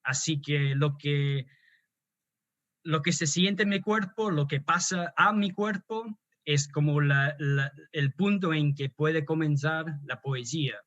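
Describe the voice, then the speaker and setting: A guest poet and translator, an Australian man whose first language is English, speaks Spanish as a second language in a conversational interview. His voice is slightly high and a bit bright, slow-paced, and hesitant, full of fillers and restarts. The audio is dull and lo-fi, like a muffled call.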